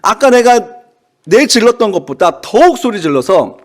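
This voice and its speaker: A young male pastor preaching a dawn sermon, asking the congregation questions and sometimes breaking into shouts. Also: sits high, moderate pace. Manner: animated preaching, rhetorical questions, bursts of shouting.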